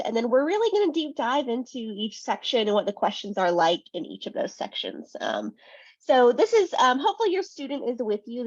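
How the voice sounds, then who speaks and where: Brief: woman tutor, slightly high voice, a bit husky and sniffly, chatty webinar delivery. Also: dry recording. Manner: chatty, frequent "um" and "right?". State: sniffly from a cold. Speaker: test prep tutor. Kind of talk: webinar presentation. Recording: dull lo-fi webinar audio.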